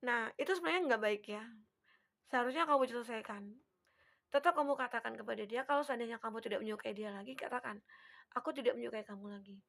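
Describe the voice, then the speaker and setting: A woman giving a collective tarot reading, gently advising and speaking straight to the listener. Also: on the high side, quick pace, creaky. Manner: acts out the listener's own words. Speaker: tarot reader.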